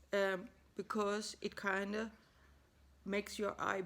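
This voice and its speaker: A woman is speaking. She has a non-native accent. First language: not English. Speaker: makeup youtuber. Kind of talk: tutorial. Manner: halting, many filler words.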